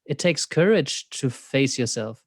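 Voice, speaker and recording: A man's voice: mid-range voice, animated, measured pace, creaky, no echo, studio quality. A man with a German accent, an existential coach talking thoughtfully as an interview guest, laughing often and leaning on "you know.". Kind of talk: reflective conversational interview.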